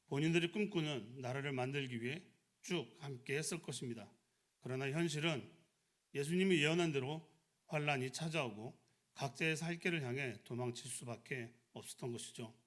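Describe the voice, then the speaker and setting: A man's voice: medium pitch, fairly bright tone. A man giving an early-morning church sermon, earnest and questioning the congregation. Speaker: preacher.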